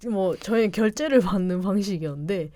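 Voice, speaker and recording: A woman with a Korean regional dialect chats as a podcast guest, telling stories in a casual, rambling, giggly and self-deprecating way. Her mid-range voice is brisk and dark, captured as a dry, clean studio recording.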